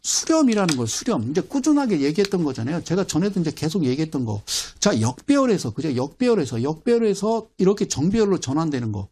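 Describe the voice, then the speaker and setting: A man giving a broadcast stock market lecture, animated, repeating phrases and quizzing his viewers. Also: fairly high pitch, fast talker, hardly any pauses, husky. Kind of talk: broadcast lecture with audience questions.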